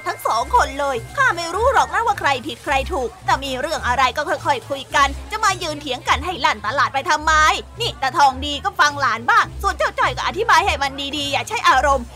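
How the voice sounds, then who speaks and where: A nosy, bossy market shopkeeper from a children's radio play, played by a woman. Her voice is very high, and she teases and scolds the others in a chatty way. Music plays clearly beneath her. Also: animated, fast talker, few pauses, pushed and bright. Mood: scolding. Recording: music playing underneath.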